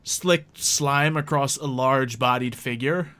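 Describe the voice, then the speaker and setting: A man's voice: mid-range voice, measured pace, heavy background noise. A man casually narrating an online tabletop roleplay game as game master, in an informal storytelling way. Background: music.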